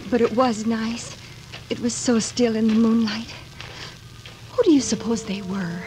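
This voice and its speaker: A woman's voice: a little high, a little slow, noisy background, close to an everyday voice. An actress in a 1940s radio drama playing a frightened young woman who speaks fearfully and pleads. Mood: scared. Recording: old radio broadcast with music.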